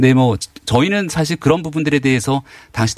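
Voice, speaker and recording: A man speaks at a fairly high pitch. His pace is very fast. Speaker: politician. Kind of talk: panel discussion.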